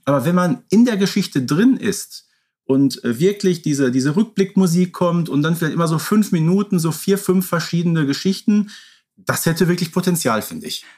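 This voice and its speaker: A man co-hosting a casual fan podcast, speaking in a measured, appreciative way. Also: on the high side, expressive, darkish tone. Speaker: podcast co-host.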